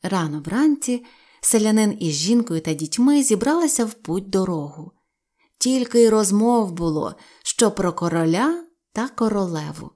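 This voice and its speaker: A woman narrating a fairy tale aloud in a calm, even reading voice. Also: medium pitch, normal speed. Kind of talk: storybook narration.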